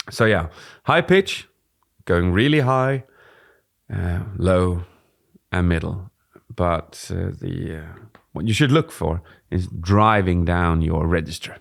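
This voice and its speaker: Low gravelly guy in his 40s coaching on a podcast, relaxed, studio mic. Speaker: podcast co-host, presentation coach. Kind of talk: casual podcast chat. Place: dim studio with warm lamps. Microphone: studio mic on boom arm.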